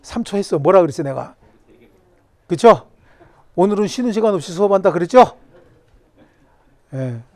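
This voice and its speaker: Lively high-voiced man teaching a class. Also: moderate pace, pauses often. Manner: joking, asks the class constant questions. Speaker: civil law lecturer. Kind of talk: classroom lecture. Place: classroom with students.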